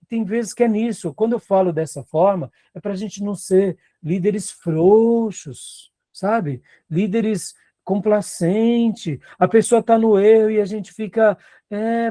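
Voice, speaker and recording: Animated Brazilian pastor teaching seminarians. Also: male voice, high voice, no room sound, studio quality. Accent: Brazilian Portuguese. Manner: animated, laughs often, acts out quoted voices. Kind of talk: classroom teaching with anecdotes.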